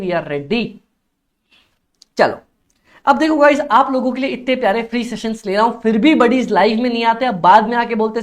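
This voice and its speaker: A young man teaching a live-streamed online exam class, energetic and coaxing, who keeps repeating phrases and reads chat comments aloud. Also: very high voice. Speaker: accountancy exam tutor.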